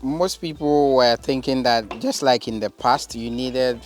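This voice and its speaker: A man from Ghana, a farmer guest, speaking outdoors in a farm paddock in a measured way with small hesitations. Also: medium pitch, soft background music. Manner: thoughtful, measured, some hesitations. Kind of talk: casual outdoor interview.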